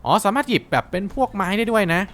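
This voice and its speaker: A man hosting a let's-play, chatting excitedly and cheering himself on as he plays. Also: sits high, rapid-fire. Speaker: gaming channel host.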